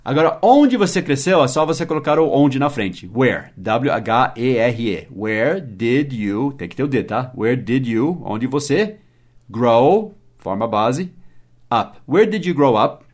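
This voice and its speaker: A man with an ordinary mid-pitched voice hosts a relaxed English lesson podcast. He explains patiently, repeats key words and spells them out letter by letter for his listeners. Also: measured pace. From United States and Brazil. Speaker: English teacher and podcast host. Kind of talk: casual spoken English lesson.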